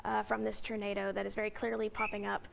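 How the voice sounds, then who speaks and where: A woman's voice: mid-range voice, monotone, fast, vocal fry, slight background noise. A woman presenting live severe weather coverage on TV, explaining radar and roads steadily with frequent fillers. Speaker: TV meteorologist.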